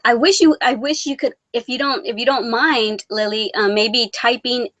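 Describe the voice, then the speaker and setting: A woman's voice: a little high, fairly even intonation, moderate pace, fairly bright tone, no echo. A woman hosting a live stream, chatting casually and giggling as she talks to her viewers.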